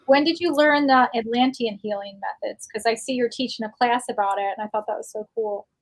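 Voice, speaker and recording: Host: woman, higher voice, friendly and encouraging interviewer. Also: fairly quick, rough recording. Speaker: podcast host. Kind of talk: casual interview.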